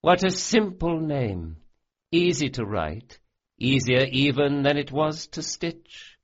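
A man's voice: a little high, expressive, slow pace, lo-fi sound, voice pushed up. A man voicing a smug, cruel male sorcerer who sneers and relishes every cruelty. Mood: gloating.

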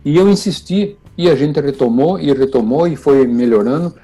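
An older man, a chamber musician, telling stories in an interview, animated, often adding "né?" at the ends of phrases. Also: on the high side, normal speed, slightly rough. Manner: animated, frequent "né?" tags. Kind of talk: storytelling interview.

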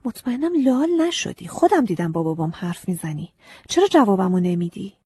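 A naive young farm girl who pleads and frets in a raised, urgent voice, as a woman reading the audiobook puts her on. The tone is very husky and mellow. It is recorded dry and close. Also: mid-range voice, sing-song, no room sound. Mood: pleading.

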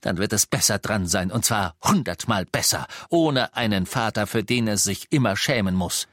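A man's voice: lowish voice, expressive, normal speed, a bit bright, dry recording, studio quality. A man reading the part of a middle-aged werewolf teacher, anguished and full of self-reproach. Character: middle-aged male werewolf teacher, tormented and guilt-ridden. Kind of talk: audiobook character voice.

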